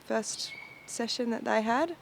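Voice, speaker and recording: A woman in her late thirties, a roller derby player giving relaxed interview answers with trailing fillers. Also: fairly high pitch, slow, vocal fry. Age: 30s. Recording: noisy background.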